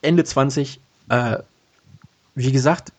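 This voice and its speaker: Husky-voiced man in his late twenties. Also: medium pitch, slow. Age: late 20s. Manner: rambling, many fillers and restarts, laughs often. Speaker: podcast co-host. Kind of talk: casual chat.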